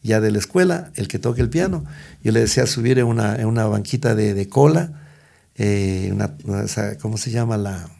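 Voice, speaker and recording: In a storytelling interview, a middle-aged guest musician speaks briskly in a low, creaky, dark voice. His talk wanders, with many restarts.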